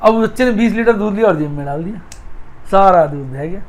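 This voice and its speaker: A man's voice: high-pitched, lively intonation, brisk, a little hiss or hum. A middle-aged man, giving a casual stock market lesson and telling homely stories straight to his viewers. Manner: homely, repeats phrases, talks straight to viewers. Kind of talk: casual teaching talk with storytelling.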